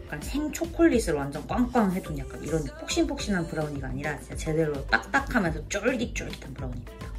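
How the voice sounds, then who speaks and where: Lively young woman reviewing food over music. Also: low voice, roomy sound. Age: young adult. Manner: expressive, playful. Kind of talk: casual review chat to camera while tasting baked goods. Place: small living room at home, also a cafe. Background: background music.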